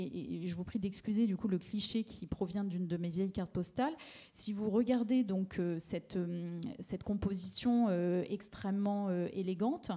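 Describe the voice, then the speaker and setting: A woman's voice: mid-range voice, warm tone. A woman giving a public lecture on paintings, talking through slides with many fillers and restarts. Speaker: art historian lecturer.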